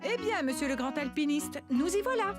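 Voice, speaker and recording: A woman voicing an affectionate, encouraging young mother in a children's cartoon, with gentle, playful admiration. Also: high-pitched, expressive, moderate pace, loud music behind the voice. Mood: playfully admiring.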